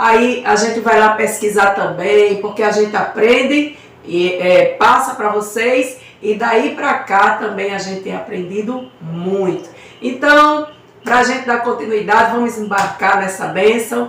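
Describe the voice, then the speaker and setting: Using a put-on character voice, a woman speaks at a moderate pace with a fairly high, hoarse voice. Audible echo surrounds her. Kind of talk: preacher addressing an online audience.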